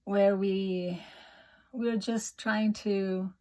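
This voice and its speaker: A woman's voice: mid-range voice, fairly even intonation, very slow, dark tone. A middle-aged Brazilian woman with a Brazilian Portuguese accent, a native Portuguese speaker talking earnestly to camera in English, with hesitant restarts. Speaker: YouTuber.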